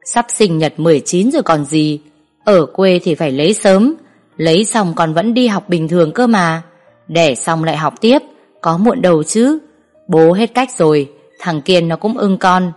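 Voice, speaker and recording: A woman's voice: fairly low pitch, moderate pace, darkish tone, faint music behind, natural voice. Woman voicing a worn-out gambler father. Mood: weary pleading. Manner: tired, defeated pleading. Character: indebted gambling village father, weary.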